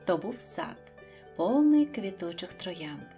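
A woman narrating a children's audiobook in a soft, even storytelling voice. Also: on the low side, slow pace, soft background music.

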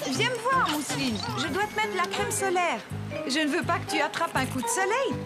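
A woman playing a caring, encouraging cartoon mother who talks gently and reassuringly to small children. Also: extremely high pitch, expressive, moderate pace, over loud music. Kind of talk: cartoon voice acting.

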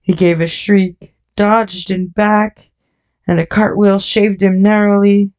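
A woman narrating an audiobook in a measured, deliberate scripted reading. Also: medium pitch, little pitch movement, a little mellow. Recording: dull lo-fi audio.

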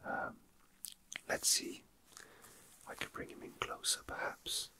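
A man whispering softly and breathily in a casual, unscripted ASMR style, with halting delivery, close to the microphone. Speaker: ASMR video host.

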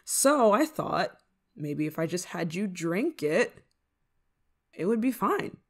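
A woman's voice: on the low side, sing-song, takes it slowly, exaggerated voice. A woman playing a flustered, affectionate novice witch in an ASMR roleplay, speaking in a hesitant, fretful way. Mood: sheepish, affectionate. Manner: hesitant, stammering, fretful, sighing. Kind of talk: ASMR roleplay monologue to the listener.

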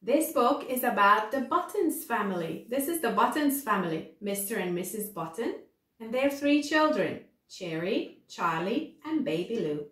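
Animated woman reading to young children. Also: a little high, normal speed. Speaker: storybook reader. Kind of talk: read-aloud children's storytelling. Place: small room indoors. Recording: echoey room.

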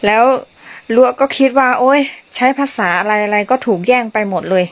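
A woman's voice: on the high side, normal speed. A woman whose first language is Lawa, from northern Thailand, giving a chatty, friendly language lesson with polite endings. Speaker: language teacher vlogger. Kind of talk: casual vlog lesson.

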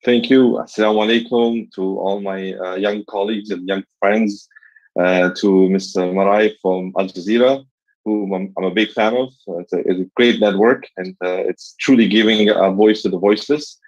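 A man's voice: lowish voice, steady tone. Friendly man on a dull video call. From Afghanistan, raised in Los Angeles. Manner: friendly, many "uh" pauses. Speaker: guest speaker. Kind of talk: online ceremony remarks.

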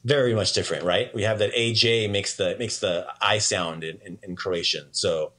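A man teaching a casual language lesson in an upbeat, chatty way, repeating words slowly for learners. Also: fairly low pitch, steady tone, a bit bright.

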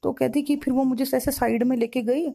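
A woman with a fairly high, mellow voice retells a client's story as a spiritual counselor. She speaks in long runs of reported speech and comes back to the same phrases again and again with emotional weight. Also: fairly even intonation, fairly quick, gravelly.

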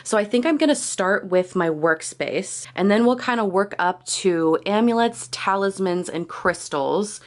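A woman's voice: medium pitch, expressive, a little slow, few pauses. A young woman with a congested cold voice, chattily narrating a tour of her room in a casual, thorough way. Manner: chatty, thorough, laughs often. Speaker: occult vlogger. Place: home bedroom.

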